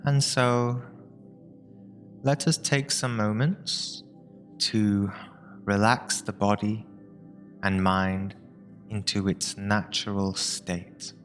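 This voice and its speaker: A man narrating a guided meditation in a soothing, measured way, leaving long pauses between short phrases. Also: on the low side, steady tone. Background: meditation music with binaural tones.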